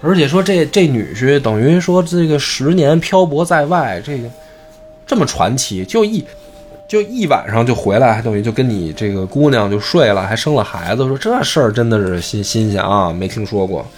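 A man's voice: medium pitch, animated, normal speed, faint music behind. A man telling a folk tale in a chatty, joking comic storytelling style.

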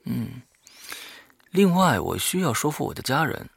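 A man's voice: medium pitch, very animated, measured pace, gravelly, slightly rough, no room sound, studio quality. A man hosting a horror audio show, reading a diary aloud dramatically and breaking off for offhand, muttered asides.

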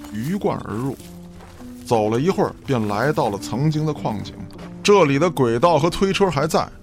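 A man narrating a scripted audio drama as a storyteller, in a dramatic reading style. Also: on the high side. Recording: background music under the voice.

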